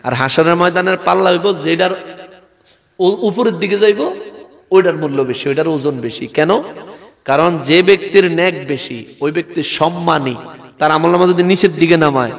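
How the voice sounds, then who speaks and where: A Bangladeshi man preaches in a regional Bengali accent, pitched a little high, with a gravelly rasp. He keeps prompting his listeners to answer back. His voice rings out with long reverb, as in a big hall. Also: moderate pace. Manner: calls on the crowd to respond. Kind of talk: animated sermon with dramatized quotes.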